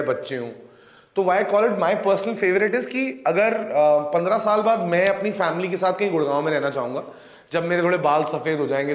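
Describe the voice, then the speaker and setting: A man's voice: fairly high pitch, roomy sound. A man in his thirties, a real estate agent with an Indian accent, giving a casual, jokey sales talk that mixes Hindi and English.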